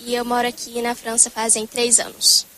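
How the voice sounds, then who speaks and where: A woman from Minas Gerais with a Brazilian Minas accent, giving measured, thoughtful answers as a student interviewee. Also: on the high side, completely flat delivery, pushed and bright, dry recording, low-quality recording.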